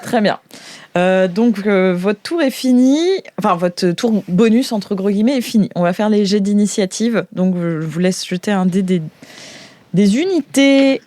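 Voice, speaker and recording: A woman running a tabletop role-playing game as game master, in a playful, informal way that reacts quickly to the players. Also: mid-range voice, dark tone.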